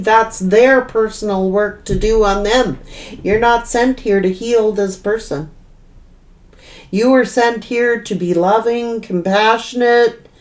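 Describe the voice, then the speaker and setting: Blunt, slow-talking woman tarot reader. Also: mid-range voice, darkish tone. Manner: blunt, scolding, emphatic with mild swearing. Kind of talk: tarot reading to camera.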